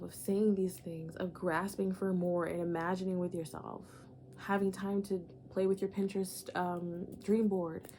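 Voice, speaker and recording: A woman's voice: mid-range voice, mellow, a little hiss or hum. A woman giving a casual, emphatic spiritual monologue, repeating phrases and saying "like" and "y'all" often. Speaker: astrology channeler.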